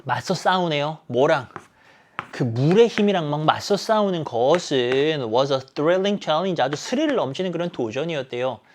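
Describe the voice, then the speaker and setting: A man teaching an English exam lesson, emphatic and animated, asking questions and answering them himself. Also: fairly high pitch, measured pace, slight background noise. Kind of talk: exam explanation lecture.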